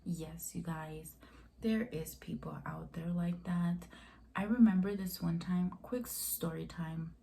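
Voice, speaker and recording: Young woman w/ mexican accent, stutters a bit, slow and breathy, kinda mellow low voice. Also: fairly even intonation, slight background noise. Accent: Mexican Spanish. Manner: stuttering, with short pauses and fillers. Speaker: vlogger. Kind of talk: casual talk to camera.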